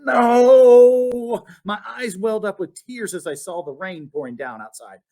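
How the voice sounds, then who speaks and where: A man reading a children's storybook aloud as its author, expressive and with dramatic emphasis. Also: high-pitched, fairly quick. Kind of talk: animated storybook read-aloud.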